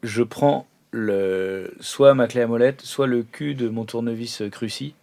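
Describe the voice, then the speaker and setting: A man plays in an improvised tabletop game, talking casually in a mid-range voice. He explains his moves haltingly, piecing them together as he speaks into a studio microphone. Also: medium pitch, gravelly, darkish tone. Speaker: player in a tabletop role-playing game.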